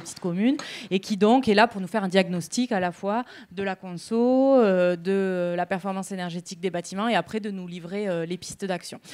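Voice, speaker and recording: A woman with a Toulouse accent speaks at a fairly quick pace, her pitch medium and ordinary in its variation. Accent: southern French (Toulouse). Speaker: town mayor. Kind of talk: panel discussion. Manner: hesitant, many fillers.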